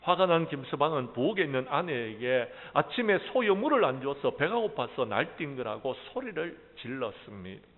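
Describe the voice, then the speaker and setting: A man's voice: medium pitch, big pitch swings, moderate pace, hardly any pauses. A pastor preaching a sermon with earnest storytelling and often addressing his listeners. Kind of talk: sermon with folk-tale storytelling. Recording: echoey hall, phone-like sound.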